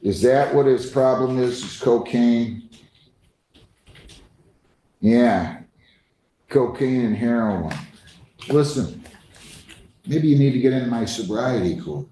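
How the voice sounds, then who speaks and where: A man's voice: medium pitch, lively intonation, takes it slowly, pauses often, mellow. A man presiding as a judge in a courtroom recording, questioning and admonishing in a blunt, plain-spoken way. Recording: echoey courtroom recording with faint noise.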